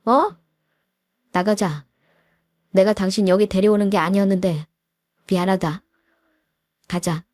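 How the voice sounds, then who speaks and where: A woman's voice: medium pitch, fairly even intonation, a little slow, long pauses, darkish tone, no echo, natural voice. A blunt husband holding back his anger, read by a woman in a story narration. He speaks in short, firm bursts, in a dry, close recording.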